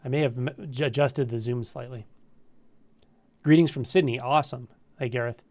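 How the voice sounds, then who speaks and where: A man with a cold and a stuffy voice, hosting a casual live Q&A stream, greeting viewers in a relaxed, friendly way with frequent ums. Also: medium pitch, moderate pace, no echo. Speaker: spiritual teacher hosting a live Q&A. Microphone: camera livestream setup.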